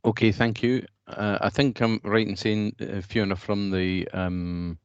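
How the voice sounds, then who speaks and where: A man's voice: lowish voice, flat delivery, unhurried, clean tone, no echo, muffled recording. A man chairing an online meeting, hesitant with many fillers and restarts.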